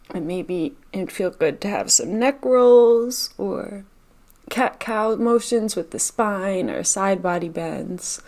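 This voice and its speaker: A woman with a somewhat low-pitched voice guides a meditation session. She speaks gently and takes her time, breaking her instructions into short phrases with generous pauses between them.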